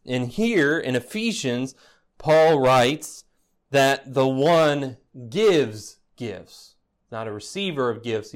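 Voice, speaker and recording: This pastor has a mid-range voice and preaches an expository sermon in a conversational, teaching way. He regularly poses rhetorical "right?" questions to the congregation, with a hint of dry, playful teasing.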